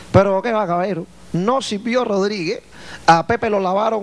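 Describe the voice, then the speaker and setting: A man speaks with a Cuban accent and a high pitch. His pitch variation is ordinary. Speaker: comedian. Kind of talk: stand-up comedy monologue. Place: shop. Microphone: handheld.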